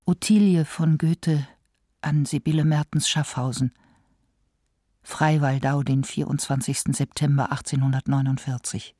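A woman's voice: low voice, flat delivery, measured pace, dark tone, dry recording, studio quality. A woman giving scripted announcements of letters as a narrator.

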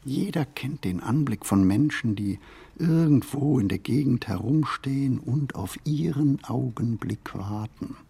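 An actor playing a pensive, hesitant city stroller in a radio play monologue, speaking deliberately and haltingly with a husky voice. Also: male voice, mid-range voice, dark tone, heavily acted. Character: male pensive, hesitant city stroller musing on everyday life.

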